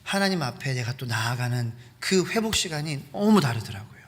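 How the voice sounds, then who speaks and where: A man pastor preaching a sermon, animated, acting out quotes and asking the congregation questions, in a reverberant church hall. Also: mid-range voice, a little fast. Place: church sanctuary.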